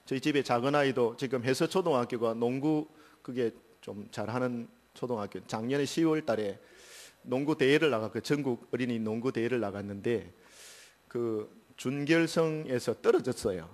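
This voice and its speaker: A middle-aged man, preaching a sermon as pastor in a church and building to loud, high emphasis. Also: normal speed. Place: church sanctuary.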